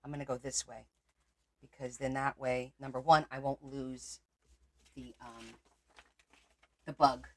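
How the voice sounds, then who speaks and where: A woman's voice: extremely low pitch, little pitch movement, a little slow, long pauses, fairly bright tone. A woman from Portugal hosting a crafting livestream, thinking aloud as she works and answering viewer comments. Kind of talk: casual crafting livestream chat.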